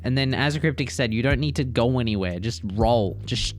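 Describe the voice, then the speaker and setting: A man's voice: medium pitch, a little fast, soft background music. A man who is a speedrunner and streamer, giving casual, blunt, teasing commentary on gameplay with gamer slang and swearing. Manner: blunt, teasing, exasperated critique.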